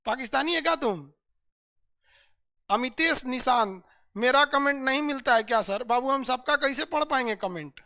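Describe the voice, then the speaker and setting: A man teaching a live online geography class, energetic and drilling students in fast recitation, and teasing and chatty when he reads out comments. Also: very high-pitched.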